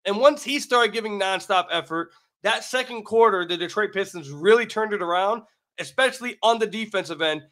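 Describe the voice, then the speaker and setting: Slightly raggedy from illness, this American man's high, fairly bright voice moves at a fairly quick clip as he hosts a sports podcast. It's a solo basketball commentary that includes a sponsor read, and he speaks with emphasis, circling back to the same phrases again and again.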